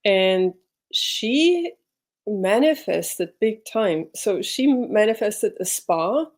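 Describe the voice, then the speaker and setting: A middle-aged woman from Switzerland, a podcast guest telling her life story in a reflective, halting way as she searches for words. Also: medium pitch, expressive, darkish tone. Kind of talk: personal storytelling in an interview.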